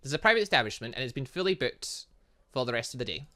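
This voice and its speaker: A man's voice: mid-range voice, sing-song, rapid-fire, pushed and bright, pitched below the performer's own voice. A man voicing a stern, haughty woman in a visual novel game, curt and condescending. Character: stern, haughty older-sister woman guarding a cafe.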